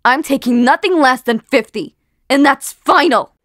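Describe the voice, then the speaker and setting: Woman playing high-voiced, commanding demon queen. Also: lively intonation, normal speed, dry recording, clean studio sound. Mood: stern fury. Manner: forceful, demanding, dramatic. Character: fierce, commanding demon queen wife, exasperated. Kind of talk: animated comic dub.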